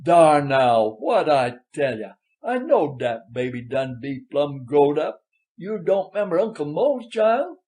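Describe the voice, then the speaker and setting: A man's voice: fairly high pitch, very animated, slow, darkish tone, voice pushed up. A man voicing a loyal, proud old man from the American South, speaking earnest folksy dialect in a storybook reading. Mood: delighted. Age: older. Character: elderly Southern man, former plantation servant, proud and loyal.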